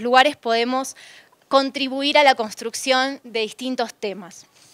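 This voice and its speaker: Against a quiet background, a woman talks at a moderate pace. Her voice is high-pitched with a bright, sharp tone. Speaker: academic, colleague of honoree; panelist. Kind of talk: panel tribute. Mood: warm, appreciative. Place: meeting room. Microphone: podium.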